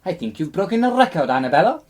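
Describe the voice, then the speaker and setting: A woman playing a droll, dim-witted dead soul with a husky voice in a radio play. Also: on the low side, sing-song, fast talker, a little mellow.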